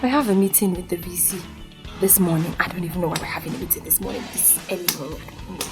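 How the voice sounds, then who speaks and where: A woman's voice: lowish voice, fairly even intonation, fast talker, natural voice. A woman playing a devout, scolding Nigerian Christian mother in an audio drama, with a Nigerian accent and an insistent, preachy manner. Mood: low-key instructing. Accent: Nigerian Igbo-language English. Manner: preachy, exclamatory, repeats herself insistently. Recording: music behind the voice.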